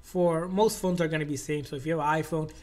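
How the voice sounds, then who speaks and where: A man's voice: on the high side, fairly even intonation, fast talker, a little mellow. A man narrating a step-by-step tech tutorial in an informal, instructional way, often repeating his phrasing.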